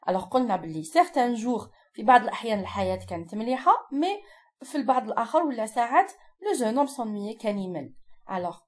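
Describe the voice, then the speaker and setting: A woman teacher with an Algerian accent, explaining a lesson patiently step by step and checking in with her students. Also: a little high.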